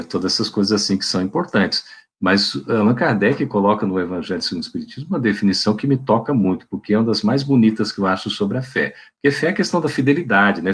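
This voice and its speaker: A man's voice: fairly low pitch, husky. A man giving a devotional spiritist talk to an online audience in a colloquial preaching manner, often adding tag questions. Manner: warm, colloquial preaching with frequent "né?" tags. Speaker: spiritist lecturer. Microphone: video call.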